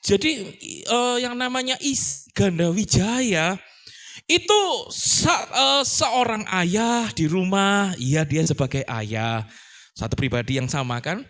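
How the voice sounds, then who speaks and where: Lively high-voiced male pastor preaching. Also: slow pace. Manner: animated, rhetorical questions, acts out quoted voices. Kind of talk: sermon.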